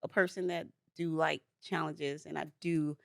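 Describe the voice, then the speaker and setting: A woman's voice: low voice, steady tone, normal speed, gravelly, dry recording, clean studio sound. A woman in her forties co-hosting a podcast, telling a story in casual chat and laughing easily. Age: 40s. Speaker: podcast co-host.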